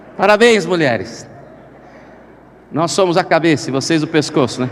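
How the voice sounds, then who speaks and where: There is noticeable background noise as a man speaks in a fairly high voice at a moderate pace. His tone is animated and his intonation lively. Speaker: preacher. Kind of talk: sermon. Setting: church.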